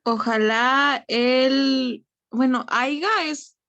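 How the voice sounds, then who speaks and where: A young woman with a Mexican Spanish accent, a student answering slowly, unsure and informal. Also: sits high, steady tone, a bit bright, no echo, dull audio.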